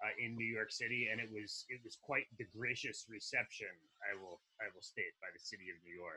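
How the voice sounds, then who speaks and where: This is an ordinary speaking voice from a man at medium pitch. He keeps a moderate pace with ordinary pitch variation. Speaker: podcast co-host and retired Navy officer. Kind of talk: interview.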